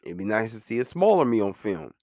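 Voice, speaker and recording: A man's voice: on the low side, sing-song, fairly quick, a little mellow, no room sound, clean studio sound. Earnest motivational man in his thirties. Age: 30s. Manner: earnest, motivational, repeats himself for emphasis; conversational, says "man" and "you know what I'm saying". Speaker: podcast host. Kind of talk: casual monologue.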